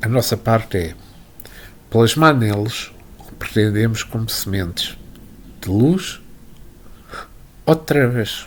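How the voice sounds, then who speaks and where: Speaking very slowly at a medium pitch, a man leaves long, frequent pauses, and his loudness swings widely. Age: 60s. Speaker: spiritist study teacher. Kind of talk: religious study talk. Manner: halting.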